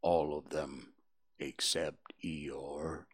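A man's voice: a bass voice, little pitch movement, breathy edge, dry recording, studio quality, voice pushed down, exaggerated voice. Eeyore, a man doing a gloomy donkey. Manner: slow, sighing, mournful drawl. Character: gloomy old male donkey, self-pitying. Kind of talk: storybook reading.

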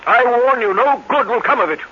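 A man's voice: very high voice, animated, fairly quick, muffled recording, a little hiss or hum. A man acting a stern, haughty older scientist in a 1950s radio drama, formal and precise in his speech, on an old recording. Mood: alarmed, grave.

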